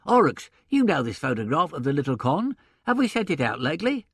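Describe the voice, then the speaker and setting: A male narrator puts on a blunt, gabby older theatre agent in an audiobook, pitching him above his own voice with a lively up-and-down, brisk delivery that's heavily acted and has a breathy edge. The character is colloquial and opinionated, drops grammar and chuckles, all on a dry, close recording with no room sound.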